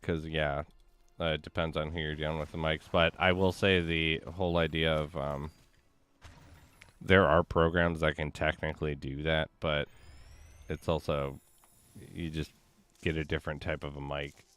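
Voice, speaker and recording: A man with a deep voice chatting casually while streaming a game, rambling with many fillers. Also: flat delivery, normal speed, fairly bright tone, smooth. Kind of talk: casual gaming chat.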